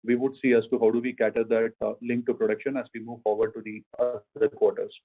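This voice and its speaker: A man speaking as a company finance executive, giving measured corporate answers to analysts on an earnings conference call. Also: medium pitch, little pitch movement. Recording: phone-like conference call line.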